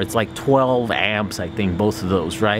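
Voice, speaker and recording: A man's fairly low-pitched voice at a fairly quick pace, with noticeable background noise. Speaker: vlogger. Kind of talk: casual vlog chat. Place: street. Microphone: phone near.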